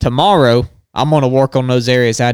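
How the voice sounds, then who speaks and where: A man with a Southern US accent speaks fairly quickly at a medium pitch. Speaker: former police officer. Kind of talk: casual chat. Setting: studio.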